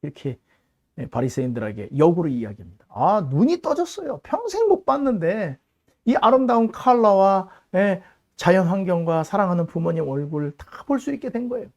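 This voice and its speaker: Male pastor, animated storytelling sermon, mellow tone, very varied pitch. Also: normal speed. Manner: animated storytelling, acting out quoted voices. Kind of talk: sermon retelling a Bible story.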